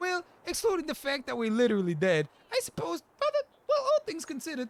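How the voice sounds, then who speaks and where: Putting on a character voice, a man talks at a very fast pace in an extremely high pitch. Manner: gruff, dry, resigned.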